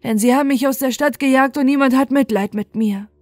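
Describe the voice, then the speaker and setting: A woman's voice: sits high, fairly quick, a little mellow, dry recording, voice pushed up, natural voice. A woman voicing a desperate, starving outcast beggar in a fairy tale, pleading urgently.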